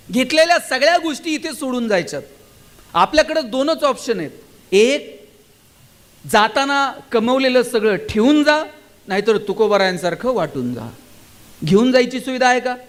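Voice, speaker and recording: A man's voice: extremely high pitch, a bit bright. A man giving a passionate stage speech to students and teachers at a school gathering. He keeps asking the audience rhetorical questions. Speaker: motivational speaker.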